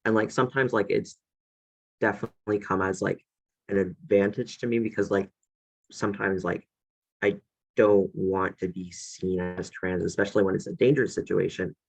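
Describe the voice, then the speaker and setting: A man's voice: low-pitched, level tone, moderate pace, creaky, husky, low-quality recording. A young man on a student panel, speaking hesitantly with lots of filler words over a video call. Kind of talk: casual panel discussion.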